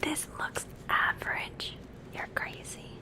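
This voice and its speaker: A woman hosting casual ASMR, whispering gently to her listeners. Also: slow pace, rough recording. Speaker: ASMR streamer and host. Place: dimly lit room indoors.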